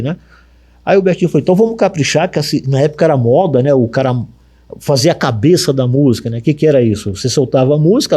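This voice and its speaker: A middle-aged man with a Brazilian Portuguese accent, a radio announcer telling stories in an interview, acting out the dialogue as he goes. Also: a little high. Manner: lively anecdote telling, acts out dialogue, frequent tag questions. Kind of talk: storytelling in an interview.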